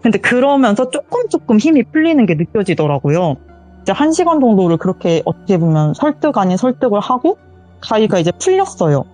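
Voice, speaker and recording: A woman's voice: mid-range voice, sing-song, fairly quick, darkish tone. A young woman telling her own ghost story as a caller on an interview show, earnest and quoting others in acted lines. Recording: voice call with faint music behind.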